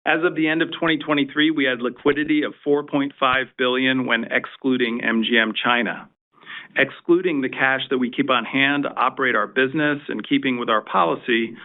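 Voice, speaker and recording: Man on a tinny conference call line. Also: medium pitch. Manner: formal, reading from prepared remarks. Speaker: company finance executive. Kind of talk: scripted corporate earnings presentation.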